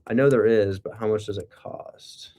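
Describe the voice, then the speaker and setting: A man's voice: lowish voice, steady tone, moderate pace, warm tone. Casual sarcastic male livestreamer. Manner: sarcastic, rhetorical questions. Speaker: live streamer and real estate wholesaler. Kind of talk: casual livestream chat, rambling commentary.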